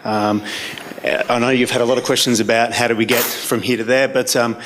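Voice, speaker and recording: A man in the audience asking unscripted questions in a measured, slightly hesitant way at a live event. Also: medium pitch, flat delivery, a bit bright. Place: public Q&A after a film screening. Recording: noisy live hall recording.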